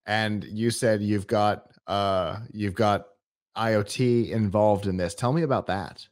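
A man hosting a tech show, interviewing a guest in a relaxed, conversational way, recorded in a studio. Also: fairly low pitch, measured pace. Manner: relaxed, conversational, with restarts and short acknowledgements. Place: studio with a screen behind.

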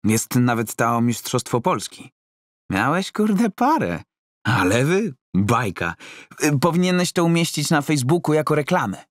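Man acting an eager stammering middle-aged banker, higher-pitched. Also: no echo, clean studio sound. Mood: excited. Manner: stammering, excitable, halting.

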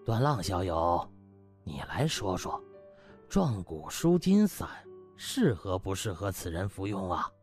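A man voicing a stern, lofty elderly hospital director who lectures deliberately in an audiobook. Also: sits low, big pitch swings, darkish tone, soft background music, voice pushed down. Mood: measured.

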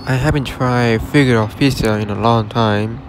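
A man with an ordinary mid-pitched voice narrates a casual walkthrough of an empty shop, filmed on a handheld phone. His talk stays plain and low-key, with a faint hum of background noise. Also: fairly even intonation, normal speed. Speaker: vlogger touring empty buildings. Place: empty store and parking lot.

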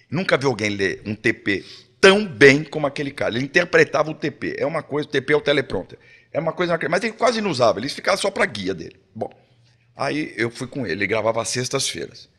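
Lively Brazilian man telling animated stories. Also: mid-range voice, breathy edge. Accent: Brazilian Portuguese. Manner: lively, swears, acts out quotes. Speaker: guest. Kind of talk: animated storytelling.

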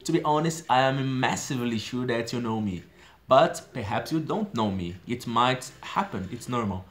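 A man in his thirties from São Paulo with a Brazilian Portuguese accent, talking in a casual video diary. He is chatty and expressive and leans on fillers. He records himself on a phone in a small room. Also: mid-range voice, normal speed. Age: 30s. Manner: chatty and expressive, gestures a lot, many "you know" fillers. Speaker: language learner vlogger. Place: small indoor room with a plain wall. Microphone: phone camera at arm's length.

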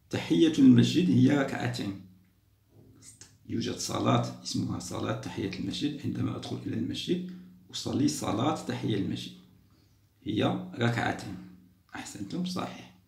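A man's voice: on the low side, lively intonation, fast talker, gravelly, roomy sound. A man from Algeria, a primary school teacher patiently explaining a test to children, repeating points and praising them.

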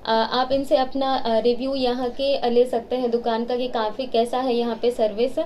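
A woman's voice: on the high side, little pitch movement, moderate pace, darkish tone, a little hiss or hum. A woman, an eye doctor at the shop, hesitantly introducing a long-time customer to the press in a small office. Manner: hesitant, many fillers. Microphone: press microphones on table.

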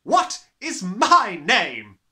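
A man voicing a huge, bullying headmistress, bellowing with scornful, drawn-out menace in a storybook reading. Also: sits high, huge pitch swings, sharp tone, voice pushed up, exaggerated voice. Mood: furious bellowing. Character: huge, bullying, furious tyrant headmistress, adult woman.

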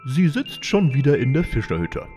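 A calm, terse magic flounder, voiced by a man in a radio play. Its lines swoop widely and come slowly, with a long hall reverb. Soft music sounds behind. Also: mid-range voice, lightly acted.

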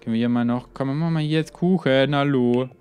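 A man's voice: medium pitch, fast talker, a little mellow, faint music behind. A man giving let's play commentary on a life-simulation game. He rambles casually, keeps talking to the game characters, and tags his sentences with fillers like "hier" and "ne". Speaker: let's player.

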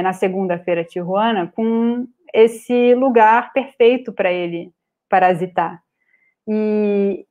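A woman with a Brazilian Portuguese accent giving an online lecture over slides, pausing often with fillers and restarts. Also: medium pitch, a little mellow. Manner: hesitant, many filler "é" and restarts. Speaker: guest speaker on art publishing. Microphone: video call webcam.

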